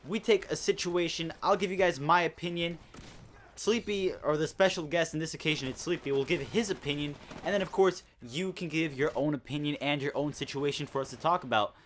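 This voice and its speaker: A man's voice: a little high, a little fast, a bit bright, a little hiss or hum. A teenage boy hosting a casual gaming chat, telling a school story in a rambling, indignant way. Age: teens. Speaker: host.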